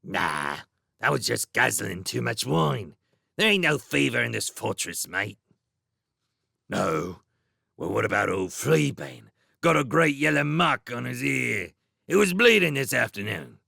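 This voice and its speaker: A man voices a pair of lazy, boorish rat guards in a storybook reading. The voice is gravelly and husky, with a sharp, edgy brightness and wild swoops in pitch. They bluster and threaten in coarse slang. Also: very animated, a little slow, no room sound, clean studio sound, exaggerated voice. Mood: scoffing. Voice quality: gravelly, rough-edged. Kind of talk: audiobook character voice.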